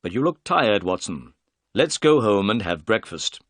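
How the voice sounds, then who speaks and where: A calm, clever male detective, voiced by a storyteller, brisk and polite, with lively pitch that rises and falls. The sound is dry and close-miked. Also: no echo, full character voice.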